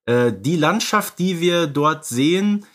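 A man's voice: a little high, expressive, takes it slowly, fairly bright tone. A man co-hosting a podcast, analysing films casually in a wordy, conversational way with emphatic opinions. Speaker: podcast co-host.

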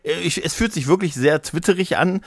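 A man's voice: a little high, fairly quick, slightly rough, dry recording, clean studio sound. A man chatting casually as a podcast co-host, rambling and often interrupting himself.

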